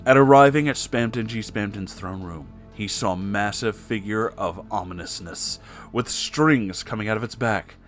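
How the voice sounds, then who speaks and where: A man's voice: on the low side, moderate pace, fairly bright tone, faint music behind. A man narrating a comic fan story in a theatrical, mock-serious dramatic reading. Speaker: story reader.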